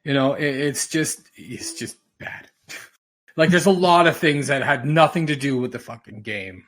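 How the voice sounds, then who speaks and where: A man's voice: a little high, normal speed, fairly bright tone. A man chatting casually on a podcast, emphatic and exasperated, repeating himself to drive points home. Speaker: podcast host. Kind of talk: casual rambling podcast chat. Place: recorded podcast, audio only.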